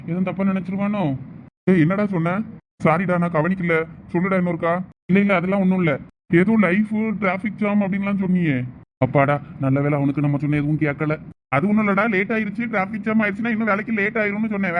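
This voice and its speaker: A man voicing a fast-talking young village guy. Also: high-pitched, lo-fi sound, a little hiss or hum, natural voice. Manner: quick, chatty banter and worried asides. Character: young village husband and his teasing friend. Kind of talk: dubbed village comedy drama.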